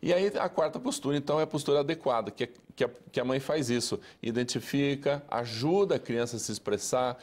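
A man, an educator answering interview questions in a measured, lecturing way. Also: mid-range voice, a little mellow. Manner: measured, lecturing, lists steps.

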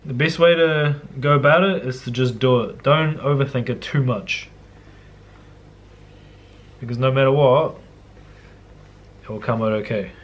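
A man's voice: medium pitch, a little slow, long pauses, lo-fi sound. A young man giving a casual, slangy cooking demonstration in a laid-back way. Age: young adult. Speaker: cooking vlogger. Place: home kitchen, indoors.

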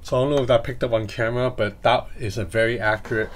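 A man's voice: medium pitch, fast talker, slight background noise. Chatty man doing a casual gadget review. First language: Cantonese. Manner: relaxed, chatty, demonstrating as he goes. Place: indoors at a tabletop. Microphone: separate mic near the desk.

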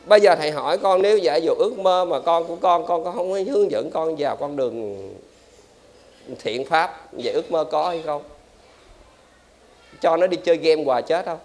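A man, a Buddhist monk giving a lively dharma talk and quizzing his audience. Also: a little high, normal speed.

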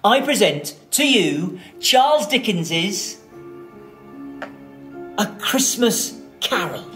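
Expressive, unhurried woman storyteller. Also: medium pitch, faint music behind. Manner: dramatic, deliberate phrasing. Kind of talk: theatrical storytelling for children.

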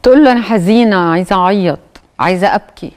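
A woman's voice: medium pitch, background noise. Egyptian woman hosting a TV talk show. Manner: hesitant, pauses with fillers. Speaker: TV host.

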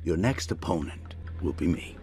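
A man voicing a stern, clipped old red panda martial arts master in an animated film. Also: low-pitched, normal speed. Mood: cool menace. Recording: film soundtrack with prominent music.

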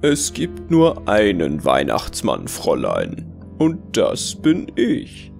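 A man acts out a jolly department-style Santa Claus for an audio drama. His voice dips low and gravelly as he genially addresses children. Music plays behind him. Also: wildly swooping pitch, slow, a little mellow, exaggerated voice. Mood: insistent, patronizing.

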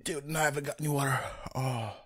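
A man's voice: medium pitch, steady tone, husky. A young man reacting casually to the camera while suffering the burn of hot horseradish, sweating and teary, with groans and sighs between short phrases. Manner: slow, broken utterances with groans, sighs and exclamations. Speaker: vlogger doing a food challenge. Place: small home room with desk. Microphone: studio condenser mic on boom arm, close.

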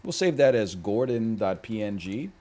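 A man in his thirties riffing casually while streaming games, animated and swinging between loud and quiet for comic bits, on a headset mic at home. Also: fairly low pitch, normal speed. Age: 30s. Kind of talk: casual gaming stream chat. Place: small room at home.

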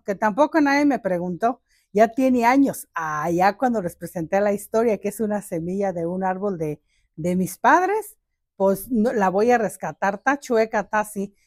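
A woman's voice: mid-range voice, expressive, moderate pace, a little mellow, no echo, studio quality. An older woman, hosting a casual gardening vlog, chatty and joking, with many fillers and a fond tone toward her plants. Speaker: gardening channel host. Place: home garden outdoors.

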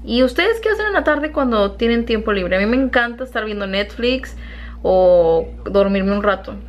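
A woman's voice: fairly high pitch, lively intonation, normal speed. A young woman chatting casually to a handheld camera at home, sleepy and rambling. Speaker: beauty vlogger. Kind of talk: casual vlog chat to camera. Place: home, indoors and out in the yard.

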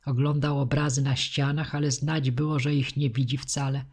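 Breathy woman narrating an audiobook. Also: rumbling low, flat delivery, moderate pace, a little mellow. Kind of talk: scripted narration of a classic novel.

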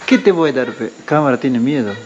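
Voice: medium pitch, expressive, a little fast, darkish tone, slight background noise. A travel vlogger with a Peruvian Spanish accent, chatting casually outdoors and cooing fondly at animals. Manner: coos and exclaims fondly at animals. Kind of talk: casual travel vlog commentary. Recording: dull lo-fi with faint outdoor ambience.

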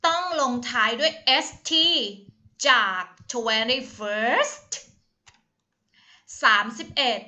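A Thai woman teaching a primary English class on a video call, explaining in Thai and slowly modelling English words for the children. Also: sits high, pushed and bright, low-quality recording. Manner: slow, patient, drawn-out model pronunciation of English words.

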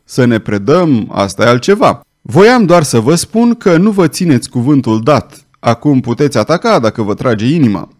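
A man's voice: medium pitch, very animated, few pauses, darkish tone. A man playing a wry, dignified old swordsman. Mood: ironic. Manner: courteous and ironic.

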